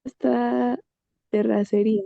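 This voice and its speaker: Woman student on a call, slow and unsure, hums a lot, dry dull sound. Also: on the high side, flat delivery, gravelly, dry recording. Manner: hesitant, thinking aloud with hums. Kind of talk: answering questions in an online lesson.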